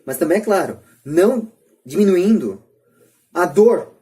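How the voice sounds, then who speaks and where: A man's voice: sits high, expressive, a little slow, warm tone. A man with a São Paulo Brazilian accent giving his opinions as a podcast host in an emphatic, repetitive, rhetorical manner. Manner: emphatic, rhetorical, repeats phrases. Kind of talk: podcast debate, opinion monologue.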